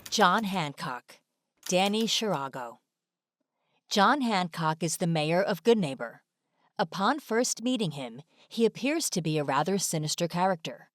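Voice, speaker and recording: A woman's voice: lowish voice, lively intonation, measured pace, a bit bright. A woman reading scripted narration as the presenter of an informational video. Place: dry studio voice-over.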